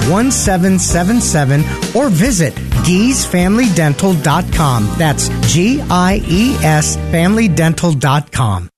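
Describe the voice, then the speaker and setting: Expressive low-voiced woman reading a sponsor ad. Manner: clear, deliberate, spelling out details. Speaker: sponsor announcer. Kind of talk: scripted sponsor ad read.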